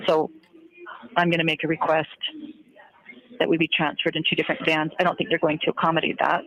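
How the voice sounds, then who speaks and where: A woman's voice: low voice, monotone, quick pace, a bit bright. A woman recounting events matter-of-factly and step by step in casual conversation on a recorded jail phone call.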